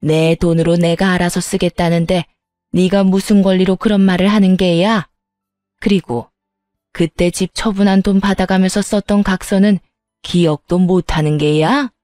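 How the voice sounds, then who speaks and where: A woman's voice: fairly low pitch, fairly even intonation, normal speed, warm tone, no room sound, soft background music, lightly acted. A woman voicing an older mother-in-law who speaks in a firm, scolding, old-fashioned way. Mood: stern.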